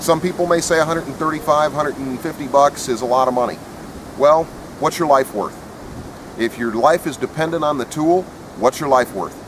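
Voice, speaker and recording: A man's voice: a little high, normal speed. A man giving a casual, unscripted product review in a plainspoken, opinionated way, recorded outdoors. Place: outdoors in wind. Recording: windy outdoor recording with clear noise.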